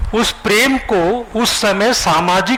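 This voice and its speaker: Over noticeable background noise, a man with a Telangana accent uses a raised, projected voice. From Andhra Pradesh, India. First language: Telugu (speaking Hindi). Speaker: writer. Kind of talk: interview.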